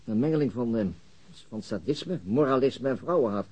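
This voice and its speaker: An actor playing a reserved, thoughtful city detective who speaks hesitantly and asks terse, probing questions in a naturalistic radio drama. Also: male voice, medium pitch, lively intonation, normal speed, dark tone, husky. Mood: pensive, probing.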